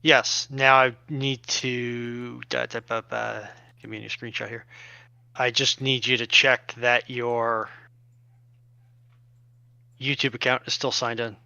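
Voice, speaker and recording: A man's voice: mid-range voice, flat delivery, slow, gravelly, sharp tone, smooth, no echo. A man casually talking someone through technical troubleshooting over a lo-fi voice call. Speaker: stream technical helper.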